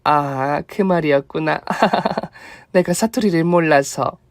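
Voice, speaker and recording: A man voicing a gentle, thrifty older mother-in-law who talks softly and fondly. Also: fairly high pitch, normal speed, no echo, clean studio sound, close to an everyday voice. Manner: soft, fond and gentle.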